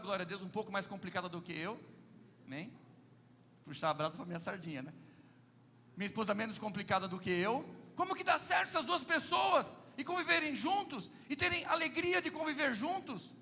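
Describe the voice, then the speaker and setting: High-voiced Brazilian pastor in a reverberant church. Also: male voice, animated, brisk, pushed and bright, slight background noise. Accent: Brazilian Portuguese. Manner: playful anecdotal preaching, often addressing the congregation. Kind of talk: sermon.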